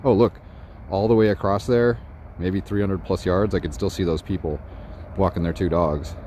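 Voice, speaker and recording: A man reviewing gear in a casual night vlog, walking outdoors in a suburb and talking excitedly about what he sees. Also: deep voice, moderate pace, slight background noise. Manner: excited, narrating while walking. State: slightly out of breath.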